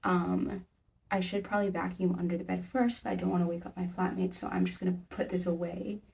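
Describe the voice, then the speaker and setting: A young woman vlogger chats casually in her bedroom while she tidies, rambling and correcting herself as she goes. Her voice is fairly low, gravelly and darkish, with fairly even intonation and a brisk pace, and she sounds far from the mic.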